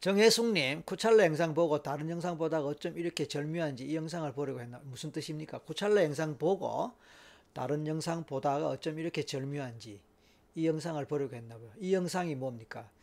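With a Gyeongsang accent, a man talks at a fairly quick pace in a fairly high pitch, showing ordinary pitch variation and big swings in loudness. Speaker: hypnotherapist and counselor. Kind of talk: guided hypnosis induction; live stream Q&A. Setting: live online broadcast.

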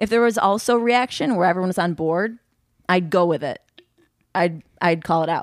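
A woman at medium pitch and moderate pace, with ordinary pitch variation and long, frequent pauses. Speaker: podcast host. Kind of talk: casual chat. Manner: loud.

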